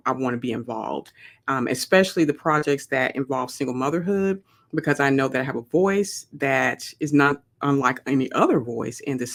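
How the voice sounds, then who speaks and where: A woman author speaking as a podcast guest in casual interview chat, conversational with frequent ums and restarts. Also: deep voice.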